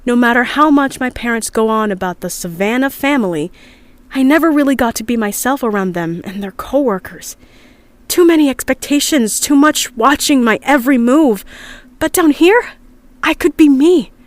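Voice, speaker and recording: A woman's voice: high voice, expressive, moderate pace, no echo. An actress playing an upset, earnest young woman from an underground community, confiding hesitantly in an audio drama diary. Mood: hurt, wistful. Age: young adult.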